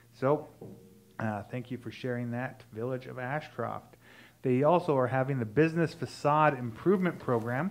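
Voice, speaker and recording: An ordinary speaking voice with a Canadian accent moves at a moderate pace with ordinary pitch variation and big swings in loudness, on a very clean recording with a silent background. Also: man, medium pitch for a man. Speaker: local online news show host. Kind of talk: casual chat reading local news.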